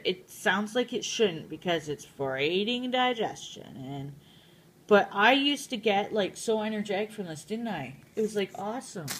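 A woman's voice: mid-range voice, a bit bright. A woman vlogger, just woken up, rambling casually through a tea haul. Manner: rambling, giggly, playful. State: just woke up, groggy. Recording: noisy home video.

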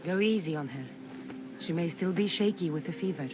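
A woman's voice: on the low side, fairly quick, noisy background, lightly acted. An actress playing a tough, wry young Greek mercenary woman in a video game, with a Greek accent. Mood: gentle, fond. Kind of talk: video game cutscene acting.

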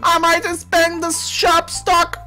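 A man voicing a lively old male fisherman from a video game in a high, cartoonish old voice. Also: very slow, soft background music, exaggerated voice. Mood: cheery. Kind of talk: reading video game dialogue aloud.

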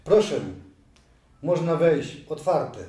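A man voicing a nervous, greedy male traitor in an amateur audio drama, pitched higher and pushed louder. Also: slow. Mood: wary. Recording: very echoey room, far from mic.

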